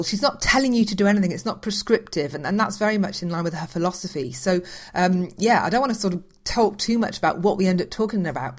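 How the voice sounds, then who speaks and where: A woman hosting a podcast, chatty and enthusiastic as she introduces the episode and her guest. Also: mid-range voice. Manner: chatty, enthusiastic, repeats herself. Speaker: podcast host.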